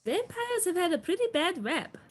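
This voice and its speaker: A woman's voice: very high voice, big pitch swings, normal speed. A woman playing an earnest, chatty vampire giving a documentary interview in a comedy table read. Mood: earnest, chirpy.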